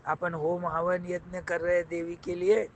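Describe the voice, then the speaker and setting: A man's voice: sits high, completely flat delivery, moderate pace. A man voicing a commanding tribal chief in a told folk tale, giving orders in an eager tone.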